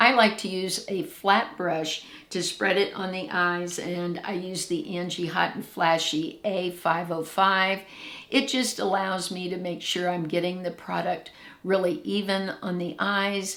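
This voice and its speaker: Noticeable background noise and audible room echo surround a warm-toned voice speaking at a fairly slow pace. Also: woman, medium pitch for a woman. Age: 50s. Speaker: beauty content creator. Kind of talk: makeup tutorial. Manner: warm, conversational.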